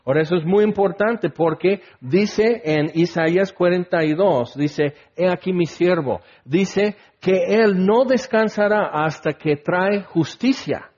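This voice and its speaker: A man with a Mexican accent preaching in a relaxed, conversational way. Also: high voice, unhurried, hardly any pauses. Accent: Mexican Spanish. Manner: conversational, acts out quoted people with a raised voice. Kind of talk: casual Bible teaching. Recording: dull lo-fi recording.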